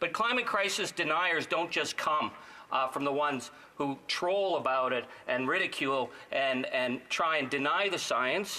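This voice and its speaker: A man's fairly high voice at a moderate pace, lively in intonation and very even in loudness, over noticeable background noise. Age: 60s. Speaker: politician. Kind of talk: parliamentary speech. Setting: legislative chamber. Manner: impassioned.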